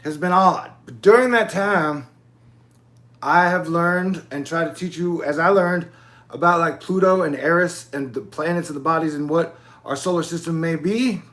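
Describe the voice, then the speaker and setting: A fairly high, fairly bright male voice at normal speed belongs to a YouTube host in his forties. He rambles in a loose, digressive way and curses casually along the way.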